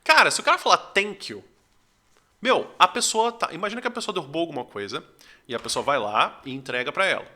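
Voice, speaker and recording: A man's voice: a little high, animated, quick pace, bright, forceful tone. A young Brazilian man teaching English, talking in a casual, conversational way full of fillers. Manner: conversational, lots of fillers like "tipo assim". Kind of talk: casual talking-head lesson.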